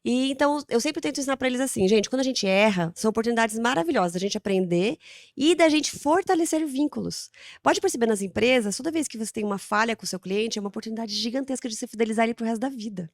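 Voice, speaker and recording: A fast, animated Brazilian woman hosting a parenting podcast, slipping into quoted chats with her kids. Her voice sits fairly high and sounds close and dry, with no room around it. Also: dry recording. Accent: Brazilian Portuguese. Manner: animated, acts out dialogues with her children. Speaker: podcast host, mother. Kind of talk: casual advice talk.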